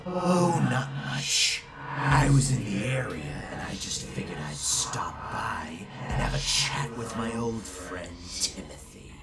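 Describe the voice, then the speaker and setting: A man's voice: medium pitch, animated, slow pace. A man voicing a sadistic, gloating male villain train engine in a fan audio drama, with sneering, whispered menace. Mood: smug. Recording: loud music behind.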